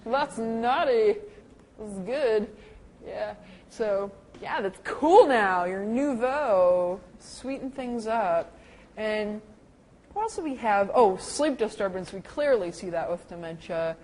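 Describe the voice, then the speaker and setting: A middle-aged woman teaching a lecture to caregivers on dementia care, talking lively and acting out the people she quotes. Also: slow pace, rough recording. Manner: lively, acts out quoted people with big pitch jumps.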